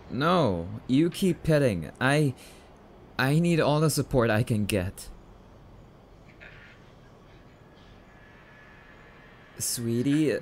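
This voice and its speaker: A man's voice: mid-range voice, a little hiss or hum. A man playing a grumpy, affectionate, easily spooked young catboy boyfriend in an ASMR roleplay, defensive and prone to stammering. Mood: spooked, clingy.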